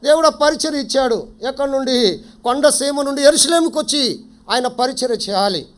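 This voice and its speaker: A man's voice: very high voice, expressive, brisk. A man preaching a sermon in a prayer house, often quizzing the congregation and repeating key phrases.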